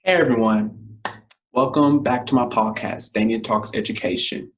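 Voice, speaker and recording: A young man with a scratchy, deep, hoarse voice, hosting an education podcast from his living room and talking straight to the camera, repeating his key points. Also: moderate pace. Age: young adult. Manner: direct, repeats key points, addresses parents as y'all. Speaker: podcast host. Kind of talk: casual educational monologue. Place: home living room, indoors.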